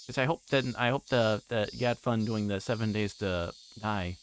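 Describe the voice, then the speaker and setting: A man hosting a livestream, chatting casually in a halting, rambling way and often repeating words as he plays a game. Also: on the low side, slight background noise. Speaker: livestream host. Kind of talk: casual livestream chat while playing a visual novel.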